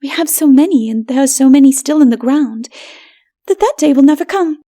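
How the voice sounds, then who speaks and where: A woman voicing a timid, snobbish city lady in an audiobook, with a breathy, whispery voice. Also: sits high, a little fast, dark tone, voice pushed up, natural voice. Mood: smug. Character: frightened, haughty city woman, breathless and high. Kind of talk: dramatic audiobook reading.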